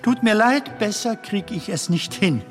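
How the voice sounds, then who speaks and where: A mild, modest comedian lost among big ideas in a drama. His high, lilting voice moves slowly and hesitantly, always polite and a little bewildered. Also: expressive, faint music behind. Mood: flustered, apologetic. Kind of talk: theatrical German dialogue drama.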